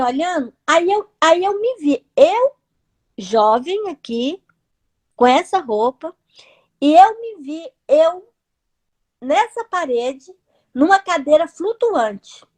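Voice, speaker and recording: A Brazilian woman telling her near-death experience in a halting, repetitive way, sometimes tearful. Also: high voice. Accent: Brazilian Portuguese. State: tearful at times. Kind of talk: emotional personal testimony.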